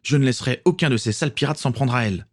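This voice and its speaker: A man's voice: mid-range voice, very fast, voice pushed up, lightly acted. A man voicing a protective, defiant teenage boy who talks in a tense, raised voice.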